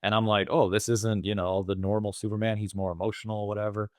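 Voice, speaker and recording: A man's voice: fairly low pitch, little pitch movement, quick pace, darkish tone, no echo, studio quality. A man co-hosting a movie podcast, eagerly retelling film scenes at length in casual chat. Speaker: podcast co-host.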